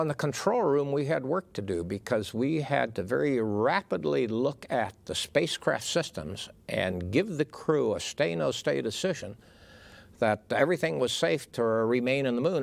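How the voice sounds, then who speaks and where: An older man recalls his work in mission control for an interview. His voice is mid-pitched and extremely gravelly, thick with fry. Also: animated, moderate pace. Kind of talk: documentary interview recollection.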